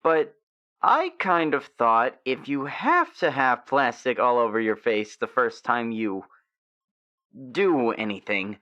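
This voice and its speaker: A man playing an awkward, embarrassed sixteen-year-old werewolf boy in an audio drama, hesitant, stammering and clearing his throat. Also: medium pitch, sing-song, takes it slowly, bright, forceful tone, highs cut off, full character voice.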